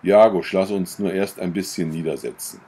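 Old widowed farmer from a storybook, measured and husky; male reader. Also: low-pitched, dark tone. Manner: deliberate, measured.

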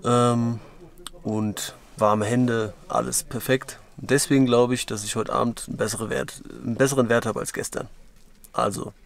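Out at a mountain camp, the camera's own mic catches a young hiking vlogger from Germany talking casually as he treks. His middle-pitched voice is creaky and at a normal speed, and his relaxed, chatty talk to camera is full of fillers.

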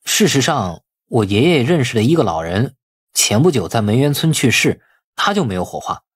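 Young nephew role, male narrator: eager, flustered, deferential, husky, very animated pitch, audiobook drama. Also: normal speed. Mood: puzzled, worried. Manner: expressive, colloquial, exclaiming.

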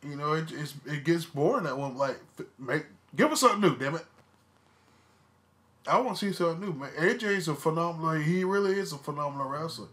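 Higher-voiced, blunt, swearing man. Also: brisk, fairly bright tone. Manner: blunt, profane, opinionated; emphatic, repeats words for stress. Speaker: podcast co-host. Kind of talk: casual wrestling podcast chat.

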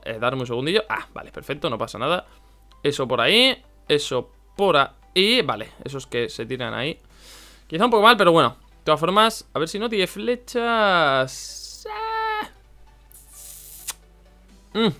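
A young man narrates his mobile game for his viewers, animated and quick to vent his frustration. His voice is high, bright and smooth, and it swings all over his range. Faint game music plays behind him. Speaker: gaming YouTuber. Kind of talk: excited game commentary.

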